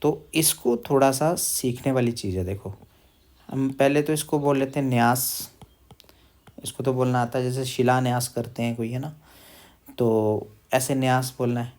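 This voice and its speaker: A man's voice: mid-range voice, fairly even intonation, a little mellow. A man teaching recitation step by step, drawing out syllables and repeating them as he asks questions. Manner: drills pronunciation, repeating syllables slowly and asking questions; chants verses in slow drawn-out syllables. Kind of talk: slow step-by-step recitation lesson.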